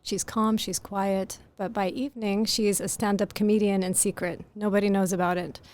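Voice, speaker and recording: A woman author with a very soft voice, answering interview questions in a thoughtful, articulate and earnest way. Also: medium pitch, level tone, moderate pace. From grew up in Greece. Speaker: author guest. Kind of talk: podcast interview.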